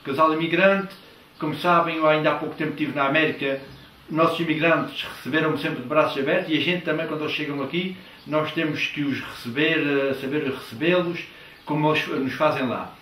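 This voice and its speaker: An older man interviewing a couple in a living room, asking slow, hesitant, friendly questions into a handheld mic. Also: fairly high pitch, fairly bright tone. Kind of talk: casual TV interview. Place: living room of a house, indoors. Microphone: handheld microphone. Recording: roomy, distant, faint background noise.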